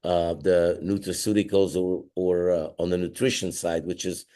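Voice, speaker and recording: A deep, mellow-voiced middle-aged man presents a business update as chairman. He sounds a little under the weather and pauses often on fillers and restarts. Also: little pitch movement. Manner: hesitant, many uh fillers and restarts. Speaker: company chairman.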